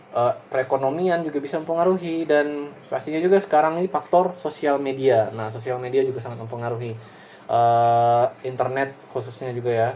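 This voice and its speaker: A man's voice: medium pitch, darkish tone. A man giving a loose, conversational lecture to his class, full of fillers and tag questions, over a faint background hiss. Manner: casual and digressive, many fillers and tag questions. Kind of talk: recorded class explanation.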